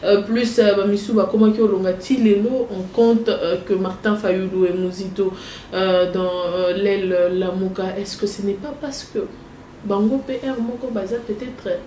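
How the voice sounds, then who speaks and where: A woman's voice: medium pitch, fairly even intonation, warm tone. A woman interviewing a guest, asking long, probing questions in with Lingala mixed in. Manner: probing, halting with restarts, mixes French and Lingala. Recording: echoey room with faint noise.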